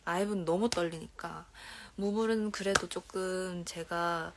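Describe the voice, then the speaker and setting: This is a young woman in her twenties with a fairly low-pitched voice, fairly even intonation, and a slightly slow pace, heard over a noisy background. An idol livestream host, she reads comments aloud and chats casually from a dim bedroom, her phone at arm's length and her Korean regional dialect audible. She speaks softly, often sliding into whispers and giggles.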